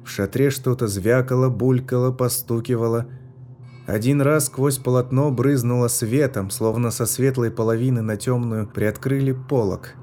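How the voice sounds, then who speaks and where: A man giving scripted narration of a dark fantasy story in a measured, tense manner. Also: medium pitch, steady tone, soft background music. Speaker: audiobook narrator.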